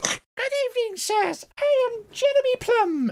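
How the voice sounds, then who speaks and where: The put-on character voice is squeaky and extremely high, delivered at a fairly slow pace. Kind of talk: formal, polite.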